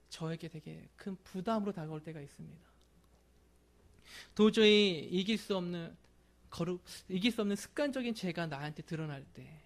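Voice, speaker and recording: A male pastor preaching a Sunday sermon, earnest and often asking the congregation questions. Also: high voice.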